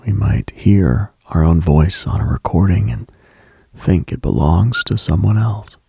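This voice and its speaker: Very deep, gravelly man, hushed and slow. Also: dry recording, clean studio sound. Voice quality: husky, gravelly, breathy. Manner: hushed, musing, pausing often. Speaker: late-night radio host. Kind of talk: slow late-night mystical radio monologue, ASMR-like.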